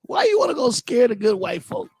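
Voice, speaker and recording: A man co-hosting a radio show, joking around playfully with loud bursts. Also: very high voice, huge pitch swings, a little fast, breathy edge. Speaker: radio co-host. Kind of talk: casual on-air banter. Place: radio studio. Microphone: studio mic.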